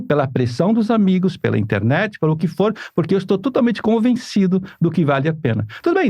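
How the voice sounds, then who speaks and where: Speaking in an earnest podcast conversation about Catholic parenting, a man from Portugal restates his points to drive them home. His voice leans high and creaky with a slightly mellow quality, recorded without echo.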